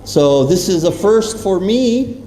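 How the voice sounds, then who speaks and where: Slow, high-pitched American man in echoey hall. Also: lively intonation, mellow, soft background music. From California, USA. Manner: playful, checking in often with questions. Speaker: guest speaker at a school. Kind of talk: interactive motivational talk to students. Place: large echoey room at a school. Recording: echoey hall with long reverb.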